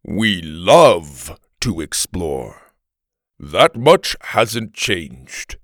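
A man voicing a huge, gruff, fierce Viking warrior, growling slowly with a heavy Scandinavian accent. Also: low voice, sing-song, no room sound, clean studio sound, voice pushed down, full character voice. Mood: proud. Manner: growling, slow, forceful.

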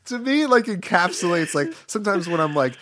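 A man's voice: sits high, sing-song, brisk, a crowd in the background. A man co-hosting a podcast, talking casually about films in a conversational, hedging way with lots of filler "like". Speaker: podcast co-host discussing films. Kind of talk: casual film discussion.

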